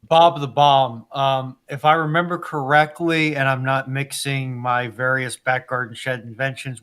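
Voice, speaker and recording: A man's voice: mid-range voice, fairly bright tone. A man moderating a casual live discussion, speaking hesitantly and often restarting his sentences. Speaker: live stream moderator and panelist.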